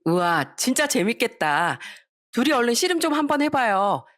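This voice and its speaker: A woman's voice: a little high, sing-song, normal speed, fairly bright tone, pitched above the performer's own voice. Woman doing a gleeful, teasing young woman. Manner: giggly, egging on.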